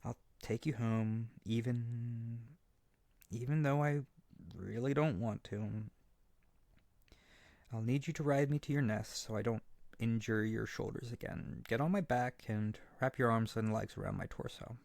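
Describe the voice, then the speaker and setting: Male actor as young bird-boy creature, audio roleplay, gentle, insecure, stammering, lightly gravelly voice, close dry sound. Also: mid-range voice, unhurried, dry recording. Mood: dejected, awkward. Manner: hesitant, stammering, tender and earnest. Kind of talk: roleplay audio drama spoken intimately to the listener.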